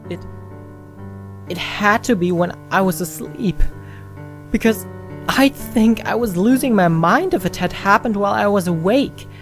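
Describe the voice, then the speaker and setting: A narrator reading a scripted first-person story in short phrases with frequent pauses. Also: mid-range voice. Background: music with guitar and piano.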